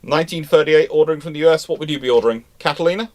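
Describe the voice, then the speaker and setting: A man's voice: a little high, very fast, darkish tone. A man hosting a live question-and-answer talk on history, speaking in an explanatory way. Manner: explanatory, reads questions aloud then answers.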